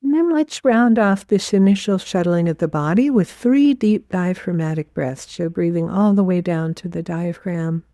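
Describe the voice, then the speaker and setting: Mellow woman guiding a meditation. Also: fairly low pitch, no echo, studio quality. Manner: gentle, unhurried instruction with pauses. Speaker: meditation teacher. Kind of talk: guided meditation.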